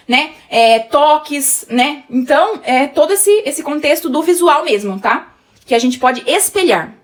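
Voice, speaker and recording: Female sales trainer, Brazilian Portuguese accent, high chatty voice. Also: fairly bright tone. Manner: chatty, many fillers, addresses viewers as gente. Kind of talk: casual teaching talk.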